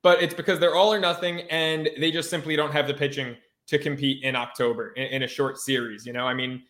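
A man's voice: medium pitch, fairly even intonation, a little fast, a bit bright. A man co-hosting a sports podcast in a casual, brash, slangy style with some swearing.

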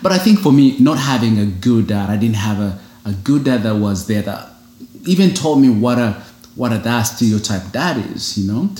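A man's voice: on the low side, lively intonation, moderate pace, dark tone, echoey room. A man from Uganda, a single foster father, talking earnestly and reflectively as an interview guest, with many "you know" fillers. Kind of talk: casual interview conversation.

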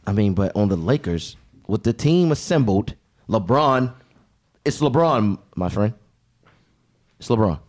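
Low-voiced man with a lively, swinging pitch. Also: a little slow, pauses often. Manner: lively, agreeable, joking. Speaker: podcast co-host. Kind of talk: casual sports chat.

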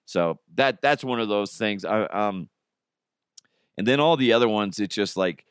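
A man's voice: lowish voice, expressive, a little slow, smooth, dry recording, clean studio sound. A man hosting a podcast in casual, rambling talk, his voice a little strained. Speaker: podcast and radio host.

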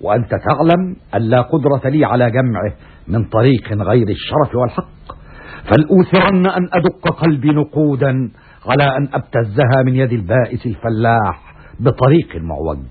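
An actor playing a stern, righteous Roman commander, declaiming with scornful anger in classical Arabic radio theatre style, with a husky voice. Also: male voice, medium pitch, animated, a little fast. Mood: righteous indignation. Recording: muffled, raspy, phone-like old radio recording.

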